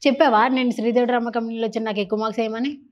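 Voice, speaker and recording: A woman's voice: on the high side, fairly even intonation, very fast. Playful woman interviewing children. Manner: playful, teasing, chatty with kids. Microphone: handheld mic.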